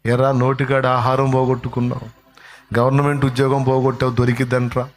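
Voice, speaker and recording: A man preaching a sermon, acting out scolding relatives in a dramatic voice that swings between loud anger and soft replies. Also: medium pitch, flat delivery, fast talker.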